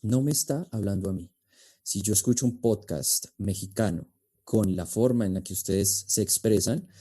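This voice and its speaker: Low, very mellow man. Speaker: interview guest, speech and oratory coach. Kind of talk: conversational expert explanation.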